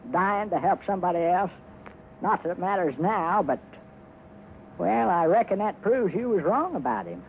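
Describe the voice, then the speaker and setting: Folksy old Western American cowboy, rambling tall-tale teller, high and swooping, 1950s radio comedy. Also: male voice, animated, moderate pace. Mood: folksy, earnest. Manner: rambling, drawling, exaggerating storyteller. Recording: muffled, hissy old radio recording.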